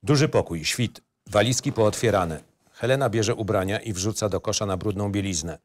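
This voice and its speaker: A man's voice: fairly low pitch, normal speed, slight background noise. A man narrating a screenplay in clipped, matter-of-fact phrases.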